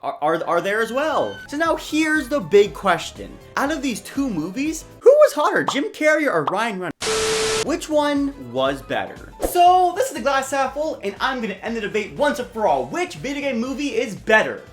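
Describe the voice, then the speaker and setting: A woman narrates a casual video commentary with a very lively, swooping delivery. She is sarcastic and self-deprecating, sometimes tripping over a word, and music plays behind her. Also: a little high, moderate pace. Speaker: video essay host. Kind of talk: casual scripted commentary with joking asides.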